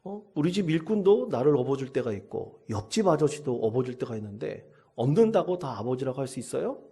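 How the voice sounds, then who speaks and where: A man's voice: medium pitch, very animated, brisk, warm tone, husky. A man voicing a cheeky young boy who talks back boldly to his father. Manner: bold, impudent retorts.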